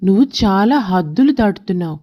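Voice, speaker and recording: A woman's voice: medium pitch, lively intonation, brisk, dull audio, voice pushed down, close to an everyday voice. A woman voicing a stern husband in a story, a protective son who scolds and admonishes. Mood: reproachful.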